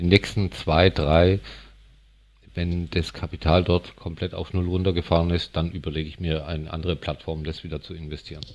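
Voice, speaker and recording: A man's very deep, low voice at a moderate pace, with fairly even intonation, big swings in loudness, and long, frequent pauses, in a very clean recording with a silent background. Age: 50s. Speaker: self-employed restaurateur and private investor. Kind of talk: casual interview.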